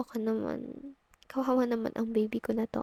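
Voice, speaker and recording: A woman speaks at a fairly slow pace in a dark, mellow, gentle tone, the sound dry and close with no echo. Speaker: audio roleplay / ASMR creator. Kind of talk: roleplay as a caring wife, intimate ASMR-style talk to the listener. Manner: gentle, caring, soft-spoken.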